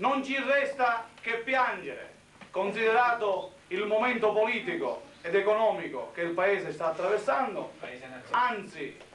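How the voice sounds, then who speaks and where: A man speaks with lively intonation. Light background noise and audible room echo are present. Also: fairly slow pace. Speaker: presenter. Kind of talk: public introduction speech. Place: hall. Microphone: old recording.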